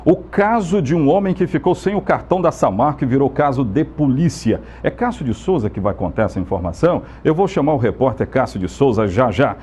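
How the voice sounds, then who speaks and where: A Brazilian man hosting a live TV show and interviewing a guest, in lively presenter patter. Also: mid-range voice, breathy edge. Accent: Brazilian Portuguese. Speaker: TV show host.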